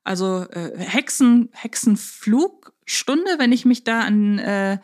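A woman's voice: mid-range voice, animated, slow, darkish tone. A woman co-hosting a podcast, talking casually and conversationally, thinking aloud as she discusses a series. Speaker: podcast co-host.

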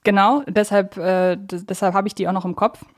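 Woman, middle pitch, podcast co-host, casual discussion, hesitant, digressive phrasing. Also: level tone, a little fast. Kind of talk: casual discussion of an audio drama series.

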